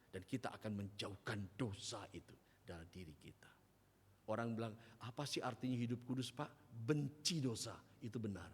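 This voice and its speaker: A man's voice: lowish voice, moderate pace, husky. Preaching man in an echoing church. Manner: preaching with sudden loud rises and soft storytelling drops; acts out voices in an anecdote. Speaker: pastor. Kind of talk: sermon. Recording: reverberant church hall.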